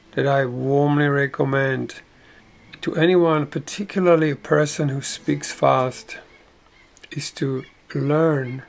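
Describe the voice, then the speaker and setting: A man from Slovakia with a Slovak accent, giving a slow spiritual talk, pausing to search for words and dropping to whispers. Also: medium pitch, creaky. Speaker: spiritual teacher.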